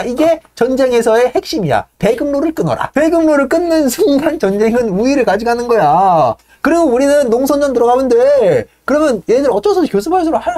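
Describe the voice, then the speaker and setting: A woman's voice: sits high, mellow. A woman playing a brash, scheming Athenian man who hectors the birds and keeps prodding them for agreement.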